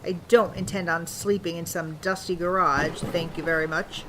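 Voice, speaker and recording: A woman's voice: on the low side, fairly even intonation, normal speed, background noise, natural voice. A woman playing an indignant, self-pitying older townswoman in an audio drama, with a haughty, affronted manner. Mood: huffy, grudging.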